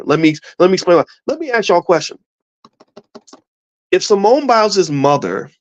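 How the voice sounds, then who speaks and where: A man's voice: on the high side, muffled recording. A man giving impassioned commentary in a preachy, emphatic way, putting questions to his listeners.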